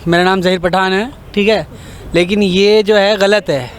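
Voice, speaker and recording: A man's voice: high-pitched, steady tone, moderate pace. A man giving a spontaneous opinion in an outdoor street interview. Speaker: member of the public being interviewed.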